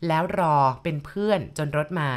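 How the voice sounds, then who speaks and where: A woman narrating a ghost story in a polite manner, speaking directly to her listeners. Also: normal speed.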